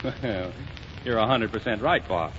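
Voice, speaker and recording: A man hosting a 1930s radio comedy show, with brisk, wisecracking emcee patter. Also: fairly low pitch, fairly bright tone, highs cut off. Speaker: host. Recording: scratchy 1930s radio broadcast with hiss.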